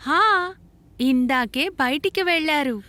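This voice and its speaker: A woman playing a caring, watchful mother in a children's cartoon, gently cautioning. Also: high voice, a little slow. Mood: concerned.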